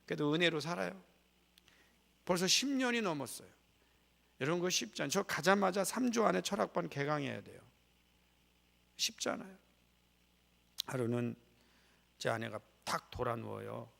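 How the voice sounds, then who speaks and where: A man's voice: on the high side, lively intonation, normal speed, gravelly, pauses often, fairly bright tone. A middle-aged male guest preacher telling a personal story in a folksy, humorous, conversational sermon style. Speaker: guest preacher at a revival meeting. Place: church sanctuary. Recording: long reverb of a church sanctuary.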